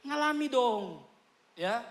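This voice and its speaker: A male pastor preaching a sermon, animated, with loud bursts and quiet joking asides. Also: very high-pitched, slow pace. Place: church. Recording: echoey church hall.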